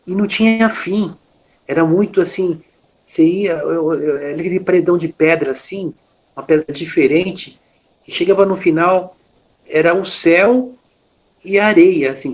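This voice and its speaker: As an interview guest, a man with a Brazilian Portuguese accent gives a personal testimony, speaking haltingly, frequently tacking on the filler "né" and restarting sentences. For a man, his voice is slightly high.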